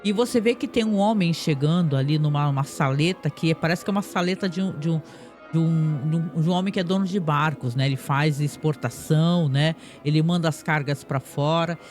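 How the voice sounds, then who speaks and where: A podcast host, a man with a notably high voice, recaps a film in a loose, chatty way. He keeps adding tag questions and restarting his sentences. Faint music sits low behind him. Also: fairly quick. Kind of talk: casual plot recap.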